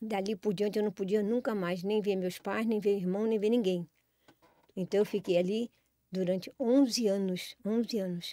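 A woman's dark, mellow voice at a moderate pace, fairly even in intonation, with a dry sound and no echo. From Alagoas and Rio area, Brazil. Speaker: pediatric cardiologist; guest. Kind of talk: talk show interview; interview answer. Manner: halting. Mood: personal storytelling, reflective. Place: studio. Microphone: studio mic.

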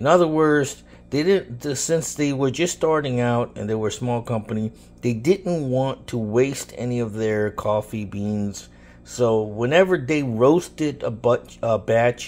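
A man talks at a fairly slow pace. His pitch varies in an ordinary way. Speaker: home product reviewer. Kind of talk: casual review talk. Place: kitchen.

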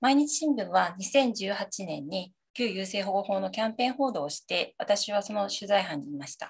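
Over a quiet background, a woman speaks. Her voice is somewhat breathy. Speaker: newspaper reporter, event host. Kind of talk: event introduction. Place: home room. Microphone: video call.

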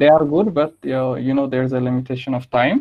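A man speaks against a quiet background. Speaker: course participant. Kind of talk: sharing feedback in group check-in. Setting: video call. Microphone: video call.

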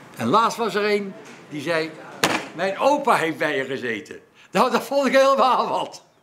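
A man with a high pitch speaks at a moderate pace. He takes long, frequent pauses amid noticeable background noise. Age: 80s+. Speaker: teacher. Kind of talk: interview answer. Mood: warm, amused. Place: classroom.

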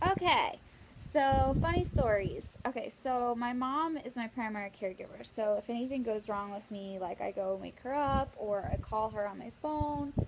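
Over noticeable background noise, a woman speaks at a moderate pace with lively intonation and hardly any pauses. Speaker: vlogger. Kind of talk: casual vlog chat. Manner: tired, sickly voice while lying in bed. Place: home room. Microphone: phone near.

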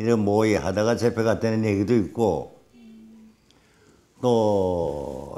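Speaking very slowly, a man keeps a fairly low pitch that rises and falls in an ordinary way. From Korea. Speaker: witness to family wartime abduction. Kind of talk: interview answer. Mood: earnest, frustrated at government. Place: office.

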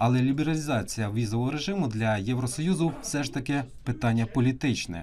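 A man speaks in an unremarkable speaking voice at a fairly quick pace, with a medium pitch and ordinary pitch variation. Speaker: TV reporter. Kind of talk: news report narration.

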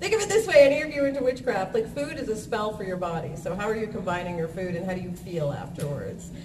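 A woman speaks at a very fast pace with very wide pitch swings. Noticeable background noise can be heard. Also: hardly any pauses. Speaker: actress. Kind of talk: convention panel Q&A. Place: hall. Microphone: handheld.

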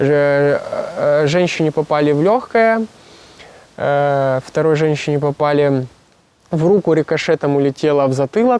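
Very slow and broken by long, frequent pauses, a man's fairly high voice shows ordinary pitch variation and very even loudness in a dry, close sound with no echo. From eastern Ukraine, Donetsk region. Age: 20s. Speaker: psychologist. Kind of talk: interview testimony. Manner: halting.

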